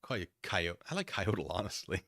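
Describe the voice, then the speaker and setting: Bright-voiced man chatting casually on a livestream. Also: sits low, very animated, moderate pace, no room sound, clean studio sound. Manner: self-deprecating, playful asides. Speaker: livestream host and commentator. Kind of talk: casual rambling livestream commentary, chatting with viewers.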